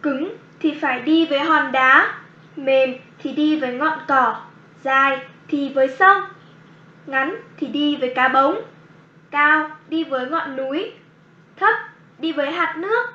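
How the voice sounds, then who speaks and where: A very high, bright small child pupil, curious and excitable. The cartoon voice is chirpy and polite, with a roomy, dull sound. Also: female voice, measured pace. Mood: thoughtful, eager. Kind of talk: children's educational cartoon dialogue.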